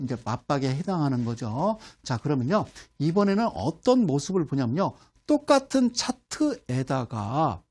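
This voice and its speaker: A man's voice: on the high side, darkish tone. A middle-aged man giving a playful stock chart lecture, asking questions and answering himself, with sound effects and mock dialogue. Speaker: stock market instructor.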